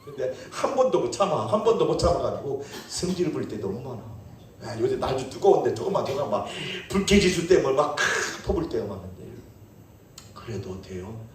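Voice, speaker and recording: A man preaching a sermon as pastor, playful and animated, calling out questions to his congregation. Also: medium pitch, a little fast, far from the mic. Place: church sanctuary. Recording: echoey church hall, mic from afar.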